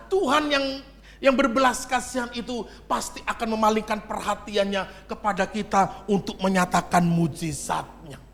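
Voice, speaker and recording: A man preaching a sermon, leading the congregation in reading aloud and acting out the shouting voices in the story. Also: high-pitched, gravelly. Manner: calls on the congregation to read along and answer.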